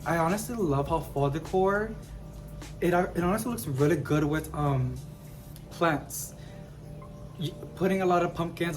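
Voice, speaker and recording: A young man with a fairly high voice chats casually like a bubbly sorority girl. He gushes to viewers in a loose vlog style. Music plays clearly behind him. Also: poor audio. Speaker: host of a plant haul vlog. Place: at home, indoors.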